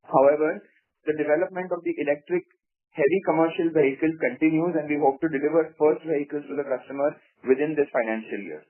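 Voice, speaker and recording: Phone-quality audio, man, Indian accent, somewhat high pitch, corporate executive, formal measured delivery. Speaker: company executive. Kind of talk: prepared corporate earnings remarks. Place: telephone conference call. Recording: tinny narrowband phone line.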